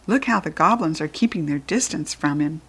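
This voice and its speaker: A woman voicing an eager young girl who talks quickly. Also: deep voice, expressive, fairly bright tone, husky, exaggerated voice. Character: curious young girl, helpful.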